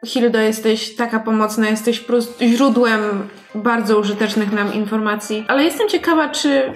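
A woman's voice: fairly high pitch, moderate pace. A woman player improvising conversation in a tabletop role-playing game, polite and wordy. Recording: echoey room with music behind.

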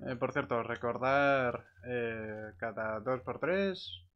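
A man's voice: mid-range voice, takes it slowly, clean tone, muffled recording. A man speaking in a hesitant, stammering way, improvising in-character chat during a roleplay game. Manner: hesitant, stammering, repeats words. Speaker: player in online roleplay group.

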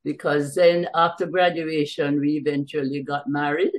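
An older woman from Jamaica recounting her family history in an interview, hesitantly, with long pauses, on a video call from a room at home. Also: deep voice, little pitch movement. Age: older, around 70s. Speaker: interview guest, author. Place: small bright room at home, indoors. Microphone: computer mic on a video call.

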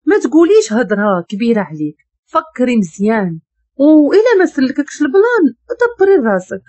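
A woman's voice: on the high side, sing-song, a little fast, a little mellow, breathy edge, no echo. A woman voicing a scheming young woman from the neighborhood, speaking in a cool, blunt, persuasive way with a Moroccan accent. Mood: coaxing.

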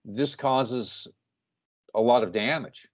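A man's voice: medium pitch, slow. A man hosting a Christian interview, firm and emphatic in casual talk. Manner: firm, emphatic, keeps saying "you know what". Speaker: host, Christian channel. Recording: muffled lo-fi call audio.

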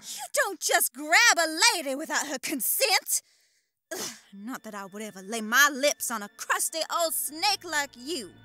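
Feisty southern girl hero, super high lively voice, folksy and defiant, audio drama with music behind. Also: measured pace, no room sound, exaggerated voice. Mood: indignant, defiant. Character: plucky, defiant young female ice-powered heroine.

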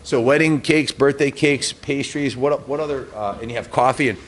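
A man with a medium-pitched voice speaks at a normal speed. He hosts a video visit to a small indoor bakery, chatting casually and heaping enthusiastic, effusive praise on the food.

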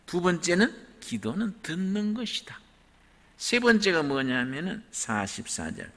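A man preaching a sermon in a church, animated and dramatic, swinging his pitch widely as he acts out prayers. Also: unhurried. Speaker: pastor. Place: church sanctuary. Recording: long hall reverb.

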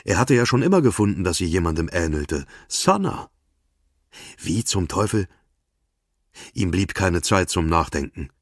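A man's voice: sits low, expressive, measured pace, pauses often, husky, no echo, clean studio sound. A man narrating a thriller audiobook in terse, tense scripted prose.

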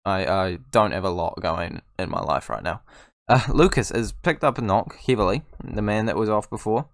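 A man casually commentating his own video game session, excitable and self-mocking, talking straight to his viewers. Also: lowish voice, creaky, no echo, studio quality. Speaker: gaming YouTuber. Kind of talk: casual let's-play commentary.

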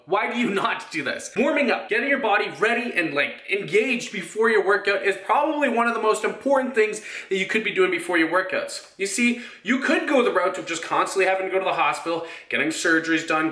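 A man's voice: sits high, bright, forceful tone. A young man coaching fitness in a blunt, emphatic, casually sweary vlog style, speaking to camera indoors. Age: young adult. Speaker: fitness coach and video host. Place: indoor rooms at home. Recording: echoey indoor room.

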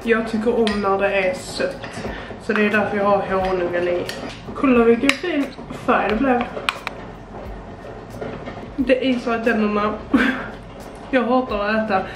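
A woman's voice: medium pitch, fairly even intonation, pauses often. A young woman in her twenties chatting casually as she cooks, explaining each step with plenty of fillers. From Sweden. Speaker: vlogger. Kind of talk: casual cooking vlog. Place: small home kitchen indoors. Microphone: camera on the counter a little way off. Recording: echoey kitchen, camera mic from a distance, audible noise.

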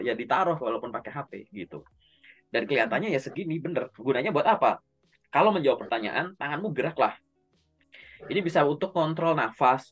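A man coaching a learner on job interviews in a relaxed, conversational way, speaking straight to them. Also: mid-range voice. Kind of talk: casual online coaching session.

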